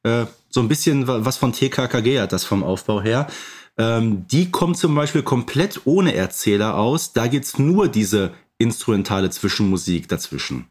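A man's voice: medium pitch, expressive, normal speed, a little mellow, breathy edge. Man explaining details on a podcast. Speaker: podcast co-host. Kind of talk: casual podcast discussion.

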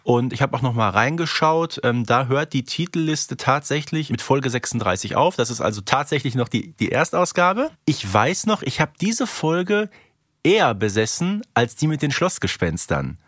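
A man's voice: mid-range voice, sing-song, moderate pace, a bit bright, no echo, studio quality. A man chatting casually as a podcast co-host.

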